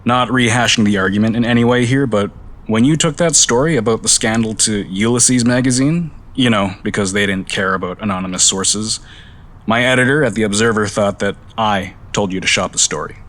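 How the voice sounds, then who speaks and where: A man playing a weary, guarded journalism mentor in an audio drama, blunt, sardonic and gruffly protective, speaking naturalistically. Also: on the low side, a little fast, fairly bright tone, close to an everyday voice. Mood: rueful.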